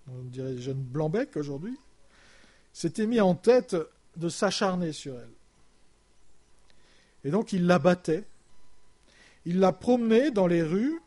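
A preacher tells his sermon as a story, his voice pitched a little higher than most men's. He speaks haltingly, restarting words and pausing on fillers, and his sentences often sink low and soft at the end.

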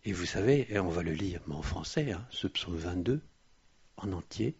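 A man's voice: deep voice, animated, moderate pace, a little mellow, breathy edge, no room sound. A male preacher giving a sermon, reading scripture aloud with swelling emphasis and breaking off into hesitant asides. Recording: slightly dull, dry lo-fi recording.

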